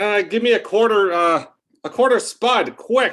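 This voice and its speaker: A man speaks at a moderate pace in a put-on, gruff character voice pitched extremely high, with lively intonation and very even loudness. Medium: audio drama. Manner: gruff, caustic.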